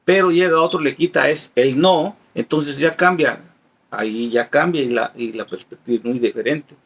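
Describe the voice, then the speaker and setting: A man's voice: medium pitch, moderate pace, fairly bright tone, husky. A man teaching a Bible class as a catechist, reading passages aloud and explaining them patiently with everyday examples.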